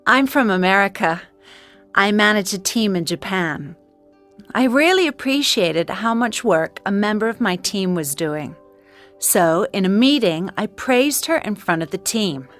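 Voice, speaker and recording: A woman reading scripted accounts for an English listening exercise, in a clear, even narrating manner. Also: mid-range voice, unhurried, faint music behind. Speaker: textbook audio speaker.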